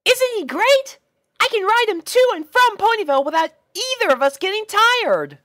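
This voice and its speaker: Casting: male narrator as bubbly young cartoon pony princess, very high squeaky voice, swooping and eager. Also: very animated, normal speed, bright, forceful tone, no echo, studio quality, exaggerated voice. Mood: excited. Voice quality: squeaky falsetto. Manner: eager, chirpy.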